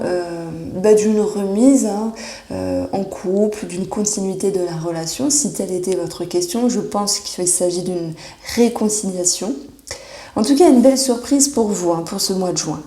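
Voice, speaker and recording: A woman giving a monthly horoscope tarot reading, reassuring and often pausing with fillers as she searches for words. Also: mid-range voice, mellow. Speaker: tarot reader. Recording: echoey room.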